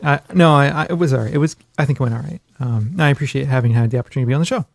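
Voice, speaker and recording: Rambling gravelly podcast co-host, man. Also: mid-range voice, racing, no room sound. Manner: rambling, self-deprecating, jokey. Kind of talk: casual chat.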